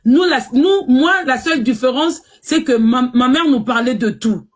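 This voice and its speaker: A woman's voice: high-pitched, normal speed. A woman hosting a casual chat, interjecting in a supportive way. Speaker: host of a live chat.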